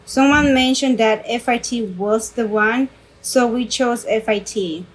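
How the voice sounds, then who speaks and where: A young woman from the Dominican Republic, a fashion designer, giving measured interview answers with pauses. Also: on the high side, poor audio. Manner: measured, thoughtful with filler pauses.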